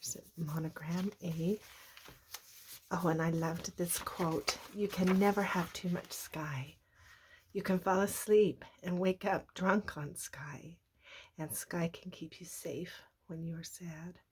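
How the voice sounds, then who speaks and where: A middle-aged woman with a hoarse, croaky voice, casually showing handmade journals. She talks softly and often slips into a whisper. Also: fairly low pitch, steady tone, slow, noisy background. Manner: soft-spoken, often drops to a whisper. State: hoarse, recovering from a cough. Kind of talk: casual show-and-tell narration.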